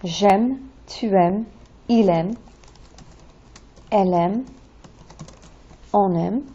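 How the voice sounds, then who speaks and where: A woman's voice: medium pitch, drawn-out words, mellow, breathy edge, dull audio. A woman teaching French verb conjugations in a patient, drilling way, as in a recorded lesson.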